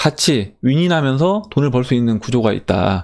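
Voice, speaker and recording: This man speaks at medium pitch and a moderate pace, his intonation lively. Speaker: crypto investment YouTuber. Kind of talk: Q&A commentary to viewers.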